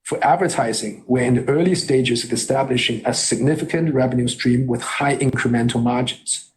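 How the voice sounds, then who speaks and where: A man reading a scripted earnings call presentation as a company executive, in a formal and measured way. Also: medium pitch, a little hiss or hum, rough recording.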